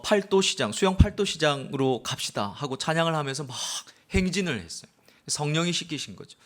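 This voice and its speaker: A man preaching a sermon as pastor, with a Busan accent, swinging between loud dramatic quotes and low quiet asides. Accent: Busan Gyeongsang Korean.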